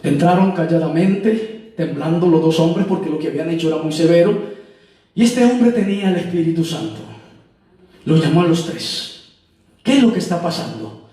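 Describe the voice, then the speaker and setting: A man preaching a storytelling sermon, from Colombia, dramatic, moving between loud bursts and hushed slow lines. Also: on the high side. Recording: very echoey hall, mic far off.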